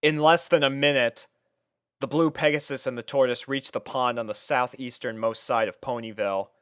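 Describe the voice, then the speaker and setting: Male narrator for a storybook reading, steady and even, mid pitch, dry close mic. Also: normal speed, smooth, no echo. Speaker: fanfiction reader.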